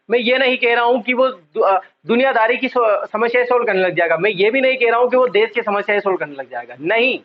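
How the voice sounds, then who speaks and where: High-voiced man teaching exam prep. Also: dull audio. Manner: repeats key terms, quizzes the class often; drawn-out emphasis on key words. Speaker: psychology teacher. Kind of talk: online exam-prep lecture.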